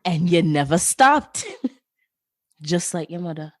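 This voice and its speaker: A woman playing an elderly, reproachful and evasive grandmother in an audio drama, with a husky voice and terse replies. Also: lowish voice, lively intonation, slow pace. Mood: wry, reproachful.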